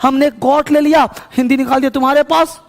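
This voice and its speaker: A man teaching spoken English, drilling short phrases again and again in a slow, emphatic call-and-response lesson. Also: very high voice, steady tone, creaky, in a large hall. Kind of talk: classroom lesson with repetition drills.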